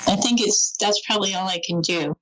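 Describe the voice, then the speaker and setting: A woman's voice: medium pitch, moderate pace. A woman guest lecturer on a video call, talking hesitantly while she sorts out her sound and screen. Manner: hesitant, fiddling with settings. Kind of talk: video call small talk. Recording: faint distant video call with loud background noise.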